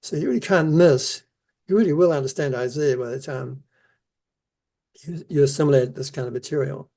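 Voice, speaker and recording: An older man, born in the Netherlands and raised in New Zealand, answering interview questions about his scripture research in an earnest, measured way. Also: fairly high pitch, creaky, warm tone. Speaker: Isaiah scholar, keynote speaker.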